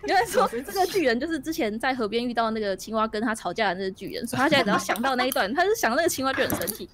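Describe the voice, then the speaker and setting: A woman streamer narrating a story in a tabletop storytelling game, animated and laughing often. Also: fairly high pitch, rapid-fire, a loud crowd.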